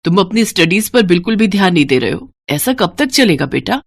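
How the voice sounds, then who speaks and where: A woman's voice: fairly low pitch, sing-song, brisk, gravelly, husky, no echo, clean studio sound, full character voice. A woman voicing a haughty rich housewife in a dramatised story, curt and imperious. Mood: exasperated. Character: haughty, bossy rich housewife scolding her maid. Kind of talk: dramatised Hindi bedtime story.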